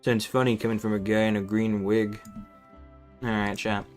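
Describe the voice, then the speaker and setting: A man's voice: fairly low pitch, flat delivery, normal speed, darkish tone. A man giving casual live commentary as a game streamer. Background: faint game music.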